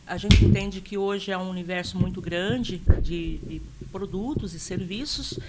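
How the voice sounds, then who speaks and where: A woman's voice: fairly low pitch, unhurried, very noisy. A Brazilian woman in her fifties, a sales consultant guest on a radio talk show, speaking earnestly and hesitantly with many fillers. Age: 50s. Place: radio studio.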